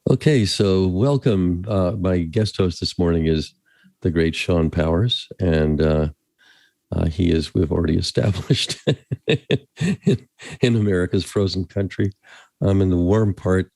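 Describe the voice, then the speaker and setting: A man's voice: low-pitched, a little slow, gravelly, darkish tone, no echo. A man hosting a podcast interview, talking in a casual, joking way with chuckling asides. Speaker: podcast host.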